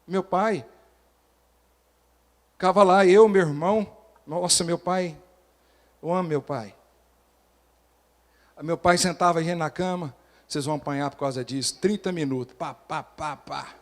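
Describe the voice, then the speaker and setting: A pastor preaching a sermon, animated, acting out quoted voices and questioning the congregation. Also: male voice, high-pitched, unhurried, pauses often.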